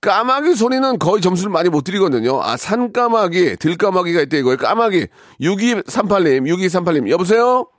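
A man's voice: high voice, very animated, a bit bright, dry recording, studio quality. A man hosting a radio call-in show, teasing and bossing callers in casual banter. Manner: teasing, bossy, quick-talking.

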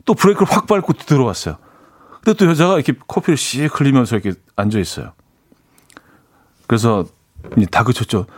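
A man's voice: medium pitch, lively intonation, fairly quick, pauses often, dry recording. A man hosting a radio show in a casual, chatty way, laughing at his own jokes and reading out listener messages in a studio. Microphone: studio microphone.

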